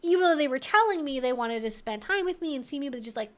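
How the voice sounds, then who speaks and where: A woman's voice: high voice, expressive, fast talker, fairly bright tone. A woman hosting a casual advice livestream, answering questions in a conversational, rambling way peppered with "like" and "you know".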